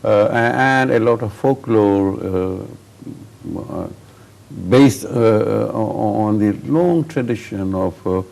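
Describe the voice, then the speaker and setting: A man hosting a television interview, asking questions in an unhurried way with many hesitations. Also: on the low side, vocal fry, darkish tone. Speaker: talk show host.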